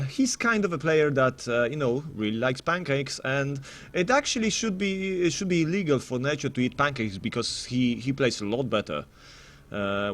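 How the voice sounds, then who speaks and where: A man's voice: medium pitch, a bit bright. A man commentating live on a game tournament in a casual, rambling way, full of matey banter and mock-announcer flourishes.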